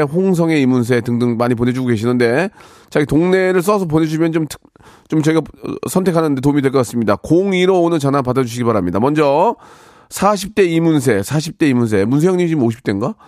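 A male radio host running a call-in segment, teasing callers with quick deadpan verdicts. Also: a little high, no room sound, clean studio sound. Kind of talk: lively radio call-in banter. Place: radio studio. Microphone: studio microphone.

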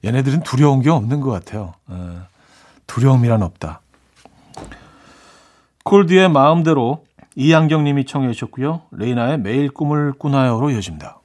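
A man's voice: mid-range voice, animated, normal speed, a little mellow. Chatty male radio DJ. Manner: chatty, reads listener messages and plays up reactions. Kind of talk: casual radio show hosting.

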